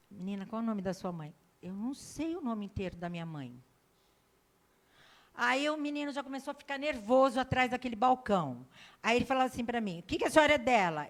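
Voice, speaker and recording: A middle-aged woman missionary preaching in a church, telling a personal story and acting out the dialogue for the congregation. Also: on the high side. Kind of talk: sermon storytelling.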